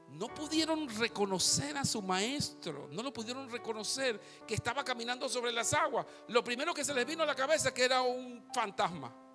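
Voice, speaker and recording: A male pastor preaching an animated live sermon in a church, telling stories to the congregation. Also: extremely high pitch. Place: church sanctuary. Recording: long hall reverb, faint guitar behind.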